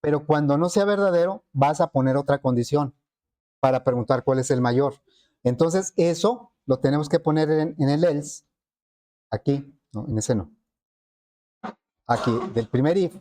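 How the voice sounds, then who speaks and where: Hombre profesor de programación, voz cálida. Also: male voice, a little high, unhurried, pauses often, dark tone. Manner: explanatory, frequent rhetorical questions to students. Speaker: programming teacher. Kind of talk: classroom lecture.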